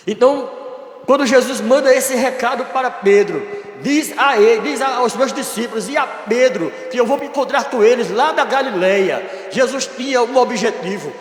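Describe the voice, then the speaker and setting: Brazilian male church elder, high voice, earnest sermon, booming church reverb. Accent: Brazilian Portuguese. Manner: earnest, emphatic preaching with bursts of loud stress and softer dramatic drops. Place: church hall. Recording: echoey church hall with long reverb.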